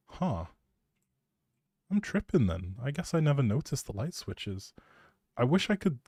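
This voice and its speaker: Male game streamer, mellow dark tone, informal rambling delivery, recorded dry and close on mic. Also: mid-range voice, husky, no echo. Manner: informal, thinking out loud. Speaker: live streamer.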